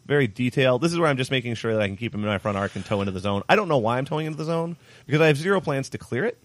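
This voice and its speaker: A man's voice: mid-range voice, lively intonation, rapid-fire, dry recording. Young man, casual game commentary, self-deprecating, laughs a lot, dry close sound. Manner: self-mocking, laughs often. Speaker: player narrating his own recorded game. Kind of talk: casual commentary over battle footage.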